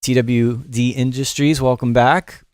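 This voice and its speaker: Medium in pitch with a darkish tone, flat delivery, and measured pace, a middle-aged man teaches music production on a loose livestream from his New York home studio. He greets chat viewers and talks with many fillers and restarts, in a dry recording.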